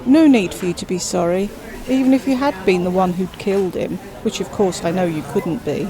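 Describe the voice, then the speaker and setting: A woman's voice: medium pitch, brisk, a crowd in the background, lightly acted, poor audio. A woman voicing a chatty, self-absorbed widowed queen who drawls with grand theatrical emphasis. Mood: gossipy.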